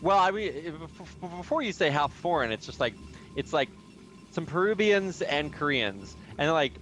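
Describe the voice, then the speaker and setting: A man's voice: on the high side, lively intonation, moderate pace, fairly bright tone, faint music behind. Upbeat male esports caster. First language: English, with Spanish as second language. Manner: chatty, upbeat, casual with many fillers. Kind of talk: live game commentary.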